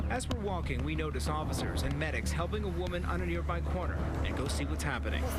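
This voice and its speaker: A man's very deep, low voice, very fast and monotone, with hardly any pauses, very even loudness and music in the background. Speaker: TV reporter. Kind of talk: TV news feature narration.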